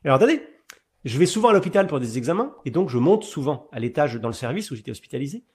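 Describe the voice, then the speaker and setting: A middle-aged man, a priest, giving a webinar talk about his own experience, telling it in an animated way with fillers and repeated words. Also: quick pace, husky. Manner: animated storyteller with sudden rises in pitch and loudness.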